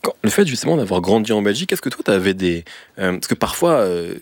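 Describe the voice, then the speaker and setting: A man hosts the interview, working his way into each question with hesitant fillers. His voice sits somewhat low. The recording is dry and close. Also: very animated, fast, no echo. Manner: hesitant, many fillers while framing questions.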